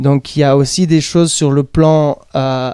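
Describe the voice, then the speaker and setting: Recorded with a dry, close sound and no echo, a man speaks in a monotone, flat intonation at a fairly high pitch. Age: 30s. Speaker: professional snowboarder. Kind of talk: casual interview. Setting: mountain ski resort.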